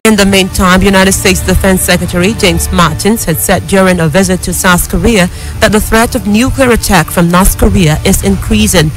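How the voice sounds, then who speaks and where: A woman's voice: mid-range voice, rough recording. Nigerian woman reading radio news over music. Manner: formal, measured newsreader delivery. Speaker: news anchor.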